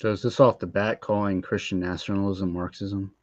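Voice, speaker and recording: A man co-hosting a casual livestream, thinking aloud in a hedging, halting way. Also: deep voice, fairly even intonation, no echo, dull audio.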